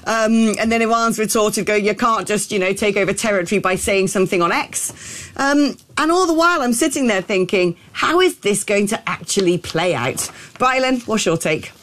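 A woman's voice: mid-range voice, normal speed, fairly bright tone. An English woman hosting a radio talk show, chatty and wry, sounding a bit under the weather with a virus. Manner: chatty, wry, reads listener messages aloud. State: unwell, says she has a virus. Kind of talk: casual radio chat.

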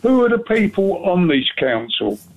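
A man's voice: sits high, very animated, moderate pace. A man calling into a radio talk show, matey and blunt with his questions. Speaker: caller. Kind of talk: radio phone-in call. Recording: phone line.

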